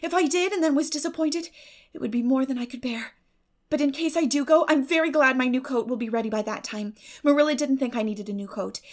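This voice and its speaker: A woman acts out a romantic young schoolgirl in a storybook reading. Her voice is high and earnest, gushing along breathlessly with dreamy feeling. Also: a little fast, lightly acted. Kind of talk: dramatic audiobook character reading.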